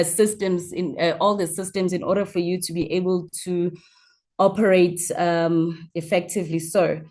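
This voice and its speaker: Casting: South African woman, slightly low register, guest entrepreneur introducing herself online in hesitant, informal phrasing. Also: darkish tone. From Mpumalanga, South Africa. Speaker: guest speaker, mining entrepreneur. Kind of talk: informal self-introduction talk to an online session. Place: online video call.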